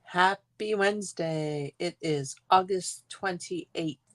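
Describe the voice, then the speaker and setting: A woman's voice: on the low side, takes it slowly, no echo. A woman from Ontario, stuffed up with congestion, chatting her way through a live card-making demo from her craft room. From Guelph, Ontario, Canada. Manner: chatty, rambling. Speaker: stamping demonstrator.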